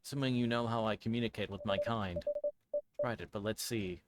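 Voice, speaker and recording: A man streaming a playthrough of a visual novel, reading dialogue aloud and commenting casually in a hesitant, halting way. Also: lowish voice. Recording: music behind the voice. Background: guitar music from the game.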